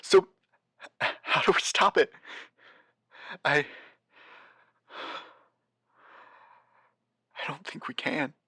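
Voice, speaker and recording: Weary, haunted postmaster, dry close sound. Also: male voice, fairly high pitch, bright, forceful tone, slightly rough, no room sound, exaggerated voice. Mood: despairing. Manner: halting, searching for words, grave. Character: weary, haunted male postmaster of a doomed city. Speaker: guest voice actor. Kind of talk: audio drama monologue, recorded message.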